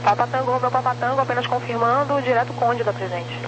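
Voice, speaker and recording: A woman's voice: on the high side, fast talker, a bit bright, poor audio. A Brazilian woman working as an air traffic controller, giving clipped procedural instructions over the radio.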